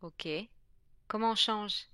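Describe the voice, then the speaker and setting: A young woman from France playing a horror game and commenting casually, chatty and excitable, swinging from shrieks to low mutters. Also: slow pace, smooth. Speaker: gaming streamer. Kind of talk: casual let's-play commentary.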